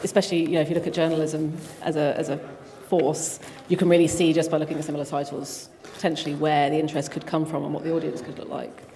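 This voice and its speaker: A woman's voice: deep voice, flat delivery, fast, warm tone. A woman speaking on a conference panel in a conversational way, with frequent you-knows. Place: conference stage. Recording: reverberant hall.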